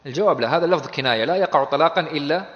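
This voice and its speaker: A man's voice: a little high, rapid-fire. A man teaching a law text in a classroom lecture. He asks questions, answers them himself, and explains in plain conversational terms. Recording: dull audio with long hall reverb.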